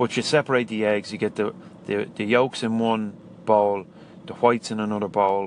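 A man speaks in an Irish accent at a moderate pace. His pitch is fairly low and his intonation fairly even. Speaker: podcaster. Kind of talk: solo casual monologue.

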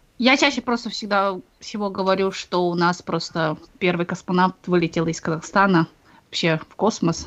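With a plain, everyday voice, a woman talks at a moderate pace at a medium pitch with ordinary pitch variation. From East Kazakhstan, Ust-Kamenogorsk area. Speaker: event organizer. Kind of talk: casual chat.

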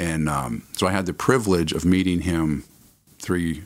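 In a very clean recording with a silent background, a man with a very deep, low pitch and vocal fry talks at a moderate pace with ordinary pitch variation. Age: 50s. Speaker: luthier and guitar business owner. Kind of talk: casual chat.

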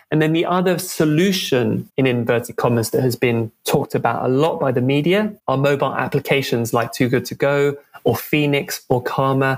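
Here a man talks with a southern English accent at a fairly high pitch. His pace is moderate and his pitch variation ordinary. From London, England. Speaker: food waste campaigner. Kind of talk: interview.

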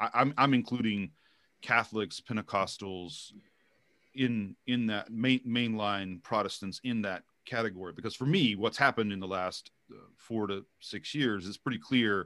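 A man with an American accent speaks in an unremarkable speaking voice at a moderate pace. His pitch is fairly low with ordinary variation. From US, small town. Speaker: theology professor and teaching pastor. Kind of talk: casual chat. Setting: video call.

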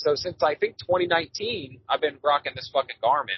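This man's high voice moves in very wide pitch swings. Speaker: podcast host. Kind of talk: casual chat.

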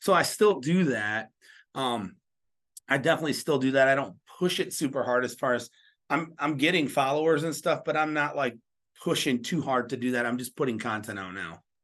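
Here is a normal speaking voice, a man with an American accent at medium pitch. His intonation is lively and his pace fairly quick. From US Midwest (Iowa). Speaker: author and sales professional. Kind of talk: interview.

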